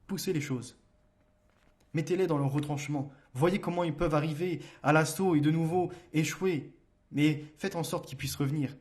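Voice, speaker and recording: A man's voice: on the high side, normal speed, a little mellow. A man hosting a solo commentary show. He argues and challenges listeners with rhetorical questions, reads book passages aloud, and often hesitates and restarts. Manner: argumentative, addresses listeners directly with rhetorical questions.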